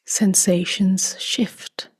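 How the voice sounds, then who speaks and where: A woman speaking softly and gently in a near-whisper as she guides a meditation, unhurried, with long pauses. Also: mid-range voice, level tone. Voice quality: soft, breathy, near-whispered. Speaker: meditation teacher.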